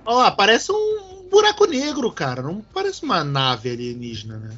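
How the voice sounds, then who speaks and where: Man, podcast host, husky voice, lively pitch, muffled lo-fi recording. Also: normal speed. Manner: animated, swears casually, restarts words. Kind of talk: casual podcast chat.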